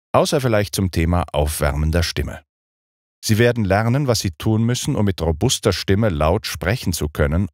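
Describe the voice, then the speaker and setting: A middle-aged man, a former singer turned audiobook narrator, reading a speech lesson in a clear, deliberate and precisely stressed way. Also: deep voice, darkish tone, dry recording, studio quality.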